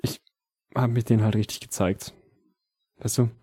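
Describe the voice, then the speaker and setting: A man improvising a comedy scene with a partner, talking in a sheepish, hushed, mumbling way. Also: lowish voice, fairly even intonation, measured pace, husky, dry recording, clean studio sound. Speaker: improv performer.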